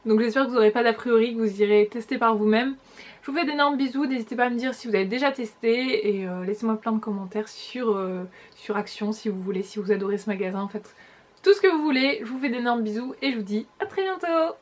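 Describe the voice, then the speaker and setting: A woman's voice: on the high side, fast. A young woman vlogger chatting casually through a makeup haul, talking straight to her viewers with frequent small restarts. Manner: chatty, hesitant restarts, addresses viewers directly. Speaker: beauty vlogger.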